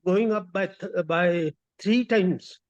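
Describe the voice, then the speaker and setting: A man with an Indian accent asking an investor's questions on a dull conference call line, halting but insistent. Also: sits high, a little mellow.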